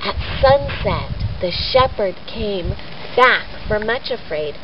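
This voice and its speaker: A woman's voice: mid-range voice, expressive, slow. A woman retelling a Christian allegory for children, explaining it simply as she goes. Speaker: storyteller. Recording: noisy, echoey, dull amateur recording.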